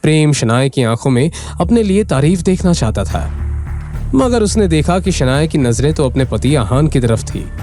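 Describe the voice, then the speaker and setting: A man's voice: fairly high pitch, sing-song, moderate pace, warm tone, faint music behind. A man narrating an audio drama in a dramatic storytelling way.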